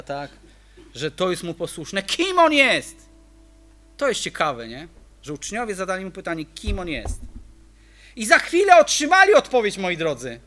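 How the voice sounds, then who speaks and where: A man delivering a sermon with a bright, forceful tone. He presses his points with emphatic rhetorical questions aimed at the congregation. His high voice swoops up and down as he preaches.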